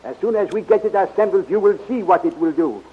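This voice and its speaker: A fatherly, secretive inventor in a 1930s radio serial. His voice is high for a man, measured and formal. It comes through thin and tinny, with faint noise. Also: expressive. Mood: patient, assured. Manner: measured, formal, avoids contractions. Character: patient, fatherly male scientist-inventor, secretive and proud. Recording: tinny, narrow, noisy 1930s radio recording.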